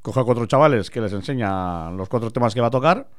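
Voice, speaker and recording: A man's voice: mid-range voice, animated, fast. Spanish male co-host, casual joking radio banter. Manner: joking, conversational.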